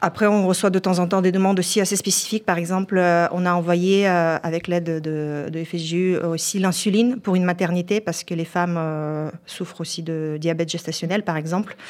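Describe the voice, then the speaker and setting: A woman with a fairly low voice speaks at a moderate pace in a flat monotone, with hardly any pauses, on a very clean recording with a silent background. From Donbass, eastern Ukraine. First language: Ukrainian or Russian (speaking French). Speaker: volunteer aid organiser. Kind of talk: radio interview. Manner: halting, many repeated words.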